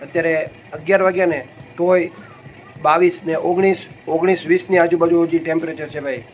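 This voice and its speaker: A man's voice: fairly high pitch, steady tone, a little fast, a little hiss or hum. A young man with a Gujarati accent, chatting casually to viewers in a family vlog. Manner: chatty, addresses viewers as friends and brother. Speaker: family vlogger. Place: outdoors on village roads.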